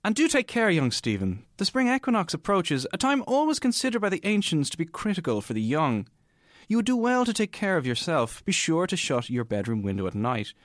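A man playing a scholarly elderly gentleman in an audio drama, formal, pedantic and solicitous. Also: fairly high pitch, big pitch swings, brisk, no room sound, studio quality. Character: pompous, scholarly elderly English gentleman guardian.

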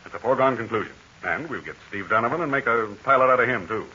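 A man's voice: mid-range voice, lively intonation, quick pace, pushed and bright. An actor playing an easygoing, fatherly aviator hero in 1940s radio style. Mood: amused, easygoing. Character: easygoing, fatherly aviator hero leading his young companions. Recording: dull, hissy 1940s radio recording.

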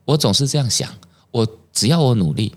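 A man's voice: mid-range voice, fairly quick. A middle-aged man with a Taiwanese Mandarin accent, telling personal stories as a podcast guest and acting out the quoted dialogue. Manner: animated storyteller who acts out quoted dialogue. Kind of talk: personal storytelling in conversation.

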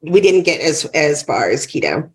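A woman hosting a podcast who welcomes listeners and trades quick, bubbly, teasing banter with her co-host and guest. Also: low-pitched, very animated. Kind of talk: casual podcast chat.

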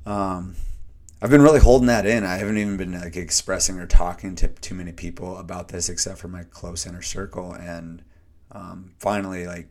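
A man hosting a solo podcast, talking earnestly and a little hoarsely, often restarting his sentences. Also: low-pitched. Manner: earnest, searching, with many restarts and fillers. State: slightly hoarse. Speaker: podcast host. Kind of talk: reflective solo podcast monologue.

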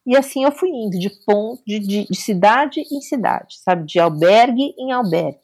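A woman's voice: medium pitch, normal speed, breathy edge. A middle-aged woman, a guest telling a personal story casually and acting out the dialogue. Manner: animated, acts out quoted dialogue.

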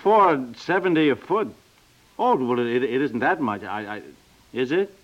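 Actor as flustered American husband, vintage radio. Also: male voice, mid-range voice, animated, measured pace, lightly acted. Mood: alarmed, flustered. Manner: hesitant, stammering, repeats himself. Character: flustered, impatient suburban husband, easily alarmed by costs. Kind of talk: 1950s radio comedy acting. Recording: dull 1950s radio recording.

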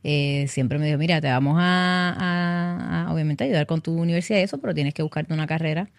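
A woman in her thirties from Puerto Rico speaks with a Puerto Rican Spanish accent, answering interview questions as a defense lawyer. She is chatty and mixes English words into her Spanish, in a slightly low voice. The recording is dry and close. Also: fairly quick, no echo. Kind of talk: interview guest, casual conversation.

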